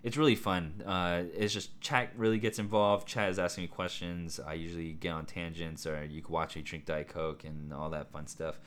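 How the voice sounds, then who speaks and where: A man hosting a solo podcast, talking in a casual, rambling way with a hoarse, raspy voice and lots of fillers. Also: low voice, normal speed, hardly any pauses. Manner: rambling, excitable, many fillers and asides. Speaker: podcast host.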